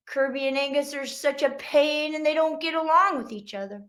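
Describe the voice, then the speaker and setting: A whiny, jealous big-brother dog from a children's storybook, acted out by a woman reading aloud. The voice is high and bright, grumbling about life with younger siblings. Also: normal speed. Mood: aggrieved, grumbling.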